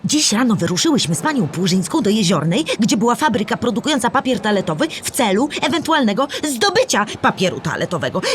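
A patient female storyteller in a children's audio play. She explains things in a clear, measured way, as scripted narration for young listeners. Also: a little high, fairly bright tone, slight background noise. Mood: diary reading.

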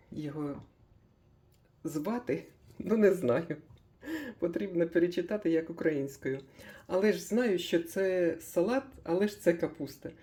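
An older woman chatting casually as she makes a breakfast smoothie in her kitchen, thinking aloud with small laughs. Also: on the low side, warm tone. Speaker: cooking vlogger.

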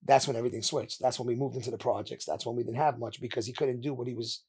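On a relaxed podcast chat, a sneaker shop owner from India in his thirties shares his story openly and energetically, laughing quickly now and then. His mid-range voice carries a breathy edge as he talks into a mounted studio mic with headphones on, indoors in a sneaker-lined studio.

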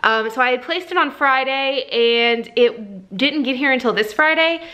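A young woman chats casually into her camera at home, rambling through little updates with plenty of ums and likes. Her voice sits a little high and sounds bright and forward. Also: normal speed. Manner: chatty, many fillers, baby-talks to her puppy. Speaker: vlogger and small shop owner. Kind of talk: casual vlog chat. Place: home office.

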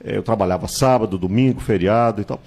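Low, mellow-voiced man in his sixties. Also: gravelly. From Salvador, Bahia, Brazil. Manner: measured, reminiscing, frequent hesitations and tag questions. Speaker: political candidate, guest. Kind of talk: studio interview, recounting his life. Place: small TV studio with virtual set. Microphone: handheld mic.

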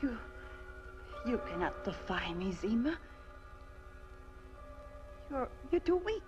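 A woman's voice: fairly high pitch, very animated, slow pace, muffled recording. Imperious evil queen, dramatic swooping delivery. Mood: menacing. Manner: evil queen, commanding and menacing, declamatory. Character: imperious evil alien queen, ruthless, commanding. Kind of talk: 1950s science fiction B-movie acting. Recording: old film soundtrack with music.

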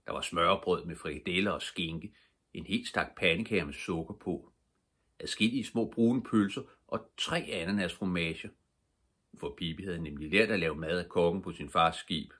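Husky-voiced older man reading a bedtime story. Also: low voice. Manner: calm, steady storytelling. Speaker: storybook reader.

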